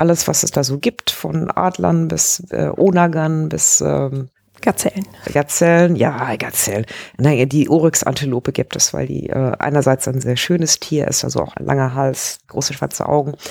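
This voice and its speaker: A woman's very deep, low voice with very wide pitch swings at a moderate pace, in a dry, close sound with no echo. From southern Germany, border town. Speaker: professor of Arabic studies. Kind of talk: interview. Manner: hesitant fillers.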